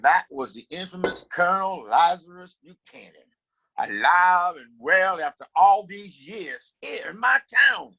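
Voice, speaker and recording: Pompous, ambitious frontier boss, male actor, high and bright, commanding radio-play villain. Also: lively intonation, measured pace, heavily acted. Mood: grandiose, scheming. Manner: grandiose, commanding, wordy. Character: pompous, scheming, ambitious Old West town boss. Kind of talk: audio play acting.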